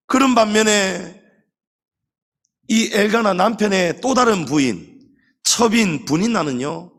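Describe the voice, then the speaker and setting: Pastor guy preaching sunday sermon, high animated voice, long church reverb. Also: vocal fry. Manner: emphatic preaching with many rhetorical questions to the congregation. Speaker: senior pastor. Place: church sanctuary during Sunday service.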